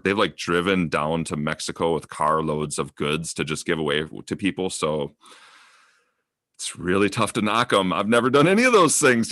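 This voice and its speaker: A man co-hosting a podcast in casual chat, with dry, wry humor and quick asides. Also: deep voice, bright, forceful tone, no echo. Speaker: podcast co-host.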